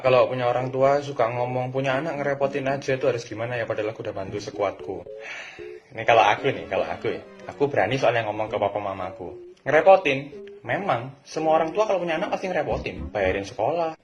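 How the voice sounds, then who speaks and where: A man's voice: medium pitch, highs cut off. A man giving casual, direct advice and lecturing parents in a monologue. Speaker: video creator.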